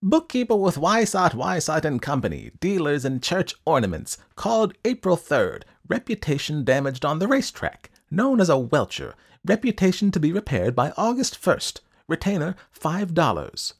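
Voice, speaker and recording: Audiobook villain, voiced by a man: eccentric little male schemer, high and swooping, formal, smugly menacing. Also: sing-song, moderate pace, vocal fry, few pauses, exaggerated voice. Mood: businesslike. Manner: formal, precise, clipped delivery. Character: menacing, eccentric little old-fashioned schemer, self-satisfied, coughing.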